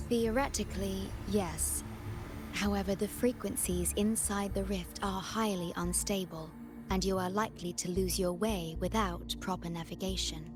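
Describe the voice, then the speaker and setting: An actress playing a calm, formal female adviser in a science-fantasy game, speaking scripted dialogue in a measured manner. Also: medium pitch, over music, natural voice.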